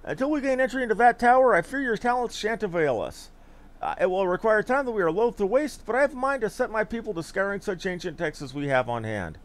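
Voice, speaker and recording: A man performs an earnest expedition scholar from a fantasy game, speaking in courtly, wordy, archaic phrasing with a high voice that moves around a great deal. He talks fast and very animatedly, sounding discouraged yet resolute as he reads the fantasy game dialogue aloud.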